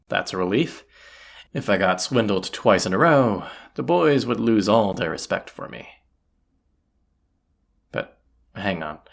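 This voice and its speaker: An actor playing a gruff, teasing bandit leader in a roleplay audio drama, with a husky voice and a sardonic, folksy drawl. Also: medium pitch, exaggerated voice. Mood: amused, wary, then puzzled, humbled.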